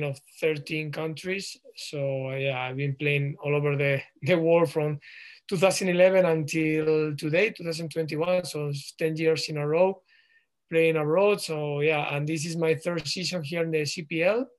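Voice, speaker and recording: A man in his thirties speaks English with a Spanish accent, in a fairly high voice. He answers interview questions slowly, pausing often and restarting his sentences. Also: steady tone. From Spain. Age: 30s. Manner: halting, frequent ums and restarts. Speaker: guest, professional footballer.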